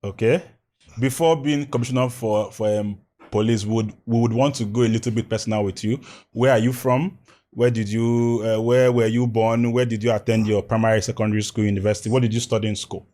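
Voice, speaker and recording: A man with a Nigerian accent hosting an interview in a chatty, informal way, with drawn-out asides. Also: fairly low pitch, fairly even intonation, dark tone. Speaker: interview host.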